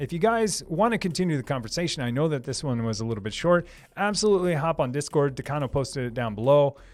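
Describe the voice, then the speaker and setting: A man's fairly high voice at a very fast pace, with very wide pitch swings and hardly any pauses. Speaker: tech live streamer. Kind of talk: live stream chat with viewers. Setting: live stream. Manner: hesitant, many fillers.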